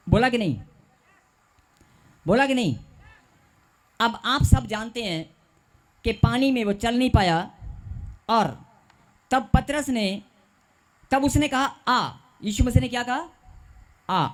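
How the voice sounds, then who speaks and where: A male pastor preaching a sermon, leading the congregation in call-and-response and stretching out repeated phrases for emphasis. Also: extremely high pitch.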